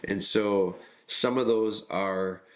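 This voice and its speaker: Man, deep voice, nasal and stuffed up, halting podcast chat, lots of pauses. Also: a bit bright. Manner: halting, frequent "um" pauses and restarts. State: congested from illness. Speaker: podcast host. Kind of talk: casual podcast talk.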